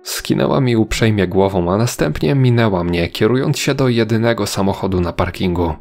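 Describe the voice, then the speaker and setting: A man reading a scripted first-person horror story as its narrator, with a creaky, gravelly voice. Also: lowish voice, animated, a little fast, a little mellow.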